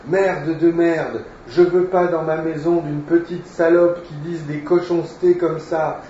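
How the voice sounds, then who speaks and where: A man's voice: mid-range voice, animated, takes it slowly, dark tone, a little hiss or hum. A man voicing an indignant older male landlord who rants against having a child in his house, read aloud in a lesson. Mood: outraged. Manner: indignant, ranting. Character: irate older male landlord fearing scandal. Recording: echoey room, distant mic, dull sound.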